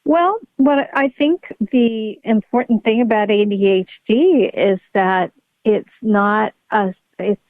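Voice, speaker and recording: A woman's voice: medium pitch, slow, no room sound. Woman doctor guest, earnest and upbeat, heard over a dry, tinny phone-like line. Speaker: pediatric neurologist guest. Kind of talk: podcast interview.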